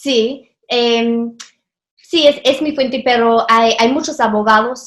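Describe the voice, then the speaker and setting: A woman speaks at a fairly high pitch with an English accent. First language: English (speaking Spanish). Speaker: newspaper court reporter. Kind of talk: interview. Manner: halting, many fillers.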